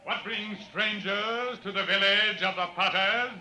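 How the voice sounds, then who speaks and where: An actor playing a proud, grave alien tribal potter in a 1950s radio drama, speaking in formal, ceremonious phrases. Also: male voice, high voice, fairly even intonation, a little slow. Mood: solemn, proud. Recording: noisy vintage radio recording.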